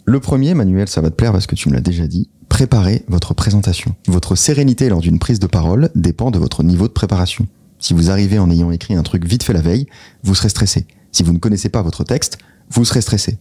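A man co-hosting a podcast in casual chat, teasing with deadpan self-mockery and reading out notes. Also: low-pitched, quick pace, breathy edge. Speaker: podcast co-host.

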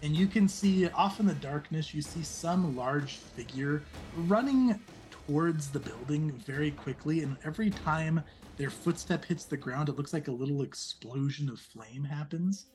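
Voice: medium pitch, expressive, normal speed, darkish tone. A game master narrating a tabletop role-playing game in a descriptive, amused way.

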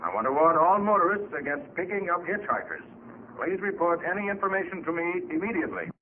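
An actor playing a commanding master detective, making formal, deliberate announcements in a 1940s radio drama. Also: male voice, sits high, very animated. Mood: grave, urgent. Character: commanding male master detective broadcasting a manhunt appeal. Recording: narrow, lightly noisy old radio recording.

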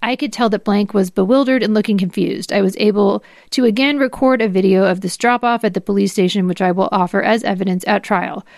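A woman's voice: medium pitch, fairly even intonation, a little fast, hardly any pauses, no room sound. Woman reading documents aloud, dry close sound. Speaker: podcast host. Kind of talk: dramatic reading of legal documents.

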